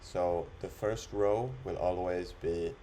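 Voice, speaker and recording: A man talking through an unscripted screen-recorded software demo, explaining it step by step in an instructional way. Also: low voice, fairly even intonation, takes it slowly, a little hiss or hum, low-quality recording. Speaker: software demonstrator.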